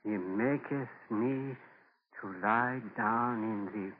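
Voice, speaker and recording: An actor in a 1940s radio drama playing a gentle Native American captive who speaks halting, broken English earnestly. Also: male voice, mid-range voice, a little hiss or hum, lightly acted. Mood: humble, earnest. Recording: muffled old 1940s radio broadcast.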